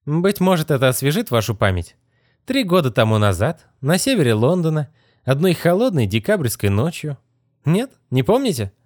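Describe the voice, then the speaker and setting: A man's voice: fairly high pitch, sing-song, normal speed, darkish tone, no echo, studio quality, voice pushed up. A man voicing a vain, cold young male magician in a haughty, condescending manner. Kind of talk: audiobook character reading.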